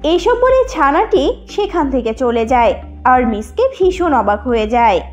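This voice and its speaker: High-pitched, animated woman narrator. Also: unhurried, faint music behind. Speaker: cartoon narrator. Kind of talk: scripted children's story narration.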